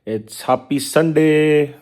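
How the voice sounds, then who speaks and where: A young man hosts his own home vlog, chatting to viewers in a loose, teasing way. His voice sits a little high, and he slips English into his talk. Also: slow pace, darkish tone. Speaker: vlogger host. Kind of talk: casual vlog chat.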